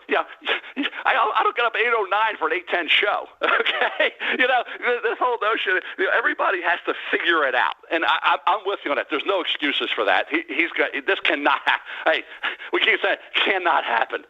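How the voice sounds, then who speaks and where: A man in his sixties calling into a sports radio show over a landline phone, giving blunt, emphatic opinions in quick bursts. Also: high-pitched, very animated, bright, forceful tone, husky. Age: 60s. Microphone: landline telephone. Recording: dull lo-fi phone line.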